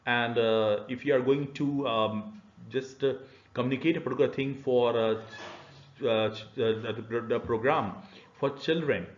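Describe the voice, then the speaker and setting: A middle-aged man with an Indian accent giving an explanatory online lecture, phrasing haltingly with many filled pauses. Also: mid-range voice, fairly even intonation. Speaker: university lecturer. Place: small indoor room. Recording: dull, boxy, roomy webcam audio.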